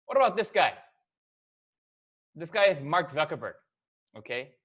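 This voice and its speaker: A man's voice: a little high, big pitch swings, a little slow, a bit bright. A man in his thirties from Korea, whose first language is Korean, giving a casual, chatty business presentation to camera, full of fillers and "okay?" check-ins.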